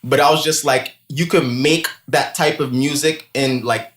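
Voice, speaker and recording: Telling stories as a guest in a relaxed interview, this Haitian-accented man in his thirties has a mid-range voice and talks a little slowly. He's animated, laughs a lot, and fills his speech with "like"; the room sounds echoey.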